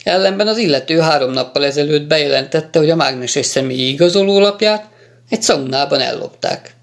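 Male audiobook narrator, measured delivery, slightly higher voice with gravel. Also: animated. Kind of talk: audiobook reading.

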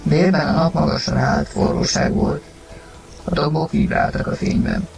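Male audiobook reader, very gravelly, lively pitch, music bed. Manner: acted, rising to shouts in heated lines. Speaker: narrator and reader of the husband's lines. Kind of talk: dramatized audiobook reading.

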